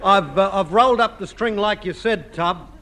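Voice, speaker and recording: A hapless, dim sidekick, played by a man, who talks in a slow, simple way, his voice pitched quite high for a man. An old radio comedy recording with a clear noise hiss underneath. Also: natural voice. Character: dim-witted, hapless working-class male sidekick. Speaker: comic sidekick. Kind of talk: 1950s radio sitcom acting. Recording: noisy old radio broadcast.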